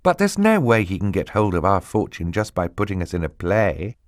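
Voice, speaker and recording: A man's voice: deep voice, huge pitch swings, moderate pace, no room sound, clean studio sound. A man voicing a clever, worried teenage girl in an audiobook, speaking earnestly and uncertainly. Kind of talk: audiobook character voice.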